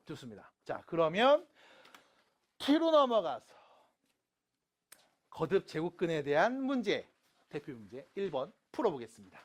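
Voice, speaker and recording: A middle-aged man teaching a math lesson, asking quick questions and answering them himself. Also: a little high. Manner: lively, asks and answers own questions. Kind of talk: lecture.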